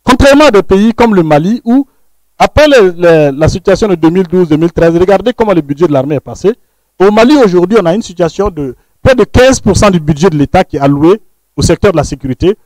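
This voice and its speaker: A man with a fairly high voice gives an analytical panel talk, pressing his points with emphasis. He repeats words as he searches, then lets each phrase fall low. The sound is dry and close. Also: expressive, fast, a little mellow, no echo, low-quality recording. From Burkina Faso. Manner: emphatic, lecturing, with frequent word repeats and phrase ends that drop low. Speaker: panelist, researcher.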